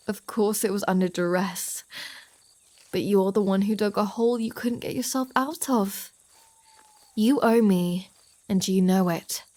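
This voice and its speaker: Woman playing a slow-talking, flirty female vampire. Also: medium pitch, a little mellow, lightly acted. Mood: playful, smug. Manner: playful, sardonic, mock-exasperated. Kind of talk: ASMR roleplay audio drama.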